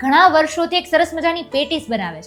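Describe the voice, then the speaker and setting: A woman speaks with lively intonation. Music can be heard behind her. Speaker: food vlog host. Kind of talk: casual interviewer talk to camera.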